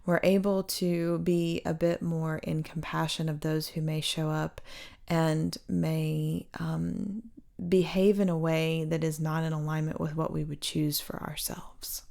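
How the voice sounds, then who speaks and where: A woman speaking as a meditation guide, giving gentle, hushed spiritual instruction with pauses. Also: low voice, level tone, gravelly. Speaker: meditation guide and sound healer.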